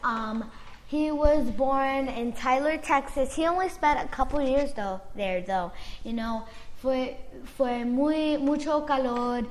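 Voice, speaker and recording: A woman's voice: high voice, takes it slowly, a little hiss or hum, low-quality recording. A woman from Florida talking casually, slipping between English and Spanish and filling her talk with "like". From Florida, United States. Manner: chatty, switches between English and Spanish, many "like"s. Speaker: co-host of a family chat. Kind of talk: casual chat.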